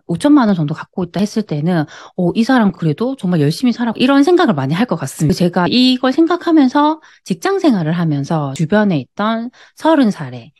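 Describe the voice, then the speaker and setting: A woman in her late thirties talking earnestly to camera about money, into a studio mic in a plain room. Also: on the low side. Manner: earnest, lively, explanatory. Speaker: personal finance YouTuber. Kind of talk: direct-to-camera talk. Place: plain white-walled room indoors. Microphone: studio mic on a boom in front of her.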